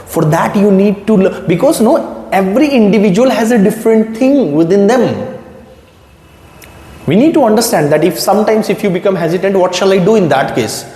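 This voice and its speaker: A man teaching English as his second language in a gentle, reassuring tone. He repeats phrases and asks questions back to the listener. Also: high-pitched, expressive, moderate pace. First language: not English. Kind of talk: motivational spoken lesson to camera. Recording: echoey room with long reverb.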